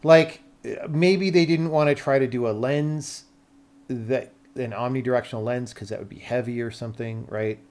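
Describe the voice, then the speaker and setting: An American man with a medium-pitched voice talks informally as a live streamer. He explains technical things off the cuff, rambling and thinking aloud as he goes. His wording is loose and conversational, occasionally mildly profane. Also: fairly even intonation, normal speed, a little mellow. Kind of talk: casual livestream chat, explaining tech.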